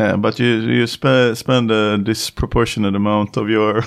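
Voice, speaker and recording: The speaker talks at a moderate pace with a Swedish accent and fairly even intonation. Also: man. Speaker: company CEO and podcast host. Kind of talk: casual interview. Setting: office.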